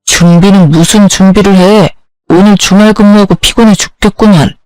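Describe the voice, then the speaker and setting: A woman's voice: mid-range voice, fairly even intonation, moderate pace, a little mellow, no room sound, natural voice, rough recording. A woman reading as a defensive, irritable husband. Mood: irritated. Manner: blunt, defensive complaining.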